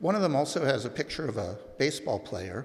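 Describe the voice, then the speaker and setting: A man speaks at a moderate pace with lively intonation while noticeable background noise and audible room echo fill the space. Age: 60s. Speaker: poet reading at a memorial. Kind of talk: memorial reading and remarks. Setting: church with audience. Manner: halting, many fillers.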